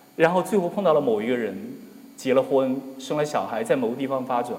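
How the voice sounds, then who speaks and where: A man's fairly high voice at a moderate pace, with very wide pitch swings, noticeable background noise and audible room echo. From China, Zhejiang (Shaoxing Shangyu). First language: Wu Chinese (Shaoxing dialect) (speaking Chinese). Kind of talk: personal testimony talk. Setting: hall with live audience and microphone. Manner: hesitant, many fillers.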